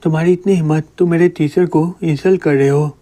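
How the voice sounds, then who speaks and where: A commanding young noblewoman who scolds sharply and gives orders, read by a man narrating a comic. The voice is a little high and mellow. It is read in a plain storytelling way. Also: fairly even intonation, a little fast, close to an everyday voice. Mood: scolding. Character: fierce young woman, loyal noble student.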